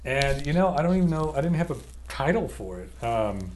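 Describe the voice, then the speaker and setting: A man's voice: medium pitch, very animated, fairly quick, a little mellow, a little hiss or hum. Rambling self-mocking man in his forties. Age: 40s. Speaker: podcast co-host. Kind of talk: casual business podcast chat.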